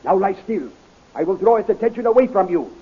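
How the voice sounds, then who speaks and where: An actor playing a heroic, protective scientist in a 1930s radio serial, loud, urgent and declamatory. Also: male voice, high voice, lively intonation, quick pace, slightly rough. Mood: urgent, reassuring. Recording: tinny, narrow 1930s radio recording.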